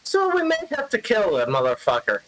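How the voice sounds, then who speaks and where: A man's voice: sits high, huge pitch swings, a little fast, a bit bright. A man playing in a tabletop game, blunt and profane. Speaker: player. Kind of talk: casual tabletop game talk.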